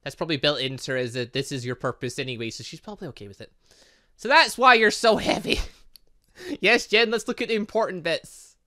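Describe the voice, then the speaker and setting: A male gaming streamer talks through his gameplay in let's-play style, rambling and stopping short to chuckle at his own asides. His high-pitched voice is expressive and sharp, and he talks a little fast.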